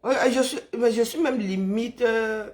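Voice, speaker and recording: A woman with a Cameroonian French accent, hoarse and exhausted, talks to her live-stream audience. She is chatty and teasing, greets viewers one by one, and fills the gaps with hums and drawn-out sighs. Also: on the high side, darkish tone. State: hoarse, worn-out voice.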